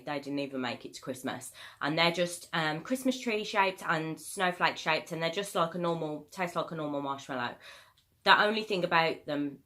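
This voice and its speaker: Mum vlogging, croaky from a cold, lowish voice, lots of ums. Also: female voice, a little hiss or hum. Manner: relaxed, chatty, frequent ums. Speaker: YouTuber. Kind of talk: chatty haul video.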